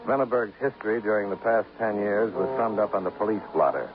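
A man's voice: on the low side, brisk, over music, close to an everyday voice. A man playing a terse, dry insurance investigator who narrates and questions in 1950s radio drama style on an old recording. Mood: narrating. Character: hard-boiled male insurance investigator, dry. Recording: tinny old radio transcription, faint hiss.

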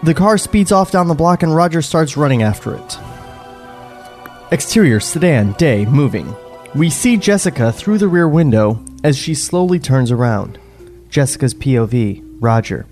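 A man's voice: a little high, lively intonation, normal speed, a little mellow, soft background music. A man co-hosting a comedy podcast, reading out screenplay stage directions and wryly questioning the plot. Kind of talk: casual comedic chat and script narration.

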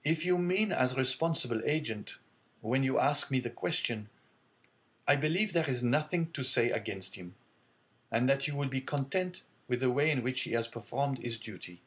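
A man reading aloud and voicing an earnest, respectful young sailor who speaks gravely and eagerly. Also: medium pitch, animated, moderate pace, natural voice. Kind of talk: audiobook character reading.

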